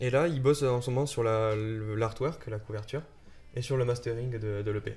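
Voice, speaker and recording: A man with a slight southern French accent, medium pitch and fairly even intonation. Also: moderate pace. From southern France, Cahors. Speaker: electronic music producer and sound engineer. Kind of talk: radio interview. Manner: hesitant, many fillers.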